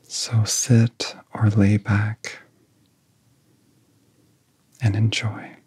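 Man, soft breathy half-whisper, very slow, flat intonation, gentle ASMR relaxation guide, long pauses. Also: lowish voice, no room sound. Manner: gentle, soothing, long pauses between phrases.

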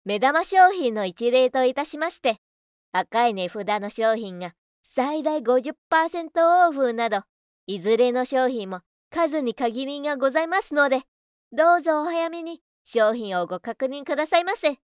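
A woman voice actor reading scripted narration and announcements in a clearly enunciated, rehearsed delivery. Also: sits high, lively intonation, moderate pace, no room sound, clean studio sound.

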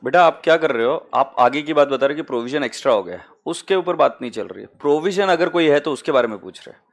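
A man's voice: on the high side, expressive, quick pace. A man with an Indian accent teaching accounting to a live class, mixing Hindi and English and calling students "beta" fondly.

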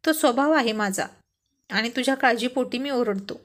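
A woman reading the part of a stern husband nearing fifty, now tearful and pleading. He speaks in emotional storybook dialogue. The voice sits a little high. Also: normal speed, natural voice. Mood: hurt, pleading.

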